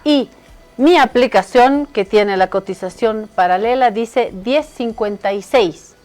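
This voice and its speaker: A woman hosting a morning TV talk show, talking in a lively, teasing, conversational way. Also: a little high, unhurried, faint music behind. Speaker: TV show host.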